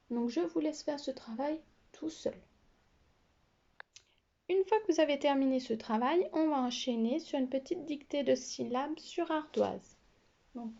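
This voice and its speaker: A woman teacher giving a slow, careful phonics lesson to young pupils, spelling out letters and syllables. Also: high voice, creaky, warm tone, muffled recording. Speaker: primary school teacher.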